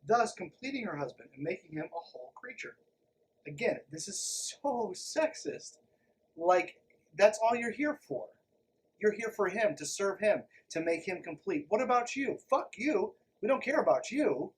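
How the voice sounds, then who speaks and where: Higher-voiced man, sardonic podcast host. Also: animated, moderate pace, rough recording. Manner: irreverent, sardonic, emphatic, swears freely. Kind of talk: reading a text aloud with sarcastic running commentary.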